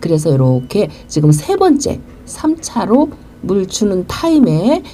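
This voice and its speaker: Very wide pitch swings from a woman amid noticeable background noise. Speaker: succulent gardening vlogger. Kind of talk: casual plant care vlog talk. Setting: home balcony.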